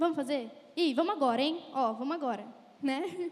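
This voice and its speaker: There is audible room echo. A woman speaks at a high pitch. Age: 20s. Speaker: guest preacher, pastor's daughter. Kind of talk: testimony within a shared sermon.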